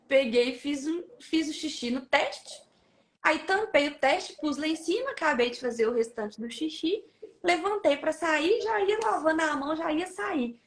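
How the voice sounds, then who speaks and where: High-voiced woman telling a story. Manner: acts out quoted people, laughs often. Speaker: guest sharing a testimony. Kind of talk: animated storytelling.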